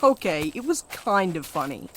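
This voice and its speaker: A woman's voice: fairly low pitch, very animated, moderate pace, a bit bright, slight background noise. A woman acting a sarcastic, anxious, grumbling reluctant explorer in a naturalistic audio drama, with a dry, complaining delivery. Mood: grudging, sardonic.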